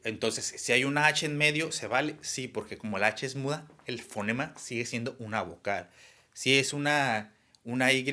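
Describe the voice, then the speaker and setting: Bright-voiced man teaching a class. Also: on the low side. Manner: explanatory, many fillers and restarts. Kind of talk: online class lecture.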